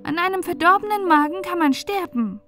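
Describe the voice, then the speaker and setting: A woman voicing a greedy, bossy, plump aunt mouse in a piping, squeaky way for a storybook. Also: expressive, fairly quick, music in the background. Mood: scolding, anxious.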